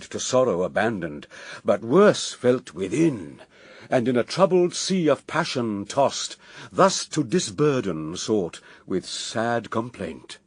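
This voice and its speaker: An actor as the grave narrator of an epic verse radio drama, solemn and declamatory. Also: male voice, lowish voice, a little mellow, slightly rough, no echo, heavily acted. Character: grave male epic narrator of mankind's fall.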